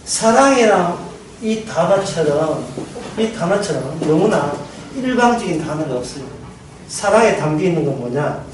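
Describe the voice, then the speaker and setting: A man preaching a sermon as pastor, lively, often laughing and asking his listeners questions. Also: fairly high pitch, moderate pace, far from the mic. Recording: very echoey hall, mic from afar, faint noise.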